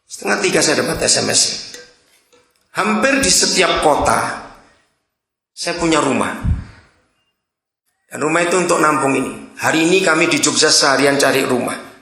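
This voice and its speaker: A man's voice: fairly high pitch, moderate pace, creaky, pauses often. A man preaching a sermon, telling stories and acting out the dialogue in them. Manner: storytelling, animated, acts out dialogue. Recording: echoey hall.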